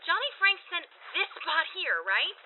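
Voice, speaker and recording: Brash, exasperated Russian-accented businesswoman for audio drama: very high voice, thin feed with faint noise. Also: big pitch swings, a little slow, full character voice. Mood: scheming, irritable. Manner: brash, exasperated, clipped grammar. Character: hot-tempered, cocky Eastern European businesswoman with gun. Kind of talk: full-cast audio drama acting. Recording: tinny phone-like broadcast with faint noise.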